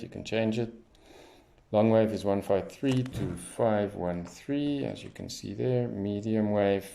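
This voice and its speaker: A man with a low, creaky voice talks through a product at a slow pace. He sounds like a hobbyist reviewer doing a casual first look, unscripted and thinking aloud as he reads off features. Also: dark tone. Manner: unscripted, thinking aloud while reading off labels. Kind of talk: casual unboxing commentary.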